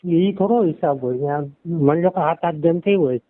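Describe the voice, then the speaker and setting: A man's voice: on the high side, brisk, no room sound. A man in his sixties with a Saurashtra Gujarati accent, talking casually on the phone in short, plain answers. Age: 60s. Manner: terse, plain, gives short agreeing answers. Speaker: caller, husband in a domestic dispute. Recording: tinny, narrow phone-call audio.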